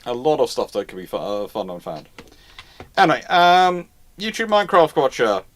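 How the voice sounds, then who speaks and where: A man hosts a casual live panel with an enthusiast's energy. He rambles, often stumbling and restarting his sentences, at a middling pitch. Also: big pitch swings, normal speed, fairly bright tone. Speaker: host of a live naval history question-and-answer stream.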